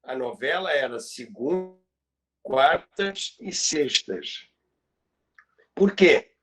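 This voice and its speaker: A man's voice: mid-range voice, expressive, slow pace, a bit bright. A Brazilian man presenting in an informal lecture style, explaining didactically and repeating phrases for emphasis. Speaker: presenter explaining radio history.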